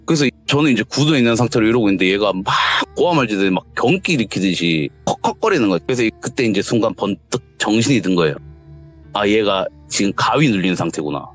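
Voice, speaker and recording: Guy with a low voice telling a spooky true story, really animated, dull lo-fi audio with faint music. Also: quick pace. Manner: animated, acts out the voices in quoted dialogue. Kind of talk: casual spoken storytelling.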